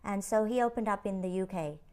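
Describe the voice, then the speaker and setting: A woman's voice: medium pitch, a little fast, a little mellow. A woman image consultant answering interview questions, explaining her work in an easy way and laughing often. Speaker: image consultant and lie-detection trainer.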